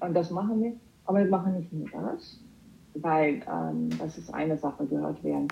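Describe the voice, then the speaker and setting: A woman talks at a moderate pace while noticeable background noise plays. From Netherlands, Amsterdam. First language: Dutch (speaking German). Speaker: managing director of a patient organization. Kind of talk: interview. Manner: halting.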